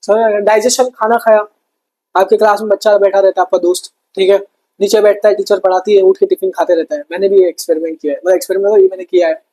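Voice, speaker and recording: A man's voice: high-pitched, fairly even intonation, quick pace, warm tone, poor audio. Chatty male science teacher. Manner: chatty, addresses students as brother, repeats key terms. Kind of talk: exam-prep lesson.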